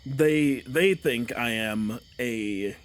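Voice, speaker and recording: A man's voice: medium pitch, extremely slow. A man voicing a scheming black dragon hidden in a swamp ruin, in an offhand, matter-of-fact way.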